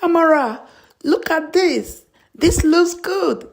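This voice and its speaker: A woman's voice: very high-pitched, expressive, slow, vocal fry, pitched above the performer's own voice, full character voice. A woman storyteller voicing a hopeful young immigrant woman, earnest and determined in her speech. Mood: excited.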